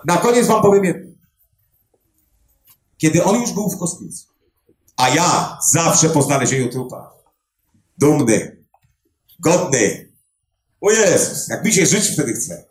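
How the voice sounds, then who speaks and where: Animated older man telling a story in a roomy hall. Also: fairly high pitch. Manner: emphatic, animated retelling with dramatic pauses. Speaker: clairvoyant body finder. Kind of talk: storytelling to a live audience. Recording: roomy echo.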